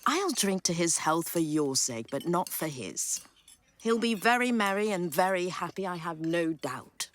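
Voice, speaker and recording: An actress playing a sharp-tongued, indignant poor Victorian wife in an audio drama. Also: female voice, on the low side, lively intonation, a little slow, slight background noise. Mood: grudging. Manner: indignant, emphatic.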